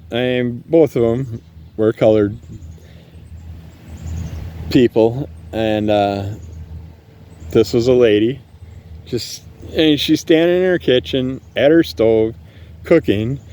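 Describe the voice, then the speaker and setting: Passing cars and faraway fireworks sound behind this man as he records his solo podcast outdoors at night, with slight background noise. His lowish voice is mellow even as he delivers a casual, angry, profanity-laden rant, speaking as someone living with multiple sclerosis.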